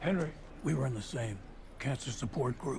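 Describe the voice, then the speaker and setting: Clear background noise accompanies a man doing a put-on character voice at medium pitch and a fairly quick pace. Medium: short film.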